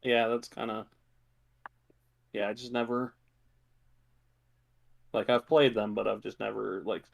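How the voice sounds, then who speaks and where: A man's voice: fairly low pitch, level tone, a little slow, creaky. A man co-hosting a podcast in casual chat, laid-back and a little hesitant. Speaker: podcast co-host.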